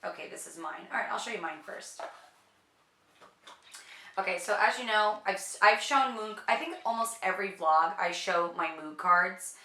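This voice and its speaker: A woman's voice: medium pitch, normal speed, bright, forceful tone, slight background noise. A young woman chatting casually in a studio vlog about her jewelry making, rambling with lots of fillers. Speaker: jewelry maker vlogger.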